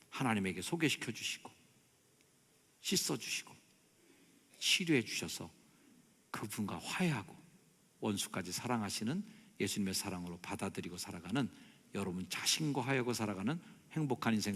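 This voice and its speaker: A middle-aged male pastor preaching a sermon, swinging between loud, animated exclamations and soft, prayerful passages. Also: lowish voice, creaky, slightly rough. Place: church sanctuary. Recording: long church hall reverb.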